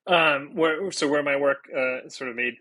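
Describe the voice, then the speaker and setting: A man's voice: on the high side, a little slow, pushed and bright, no echo. A Portuguese-native man from Brazil, a podcast guest, talking casually and thinking aloud with many fillers and restarts. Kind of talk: casual interview talk.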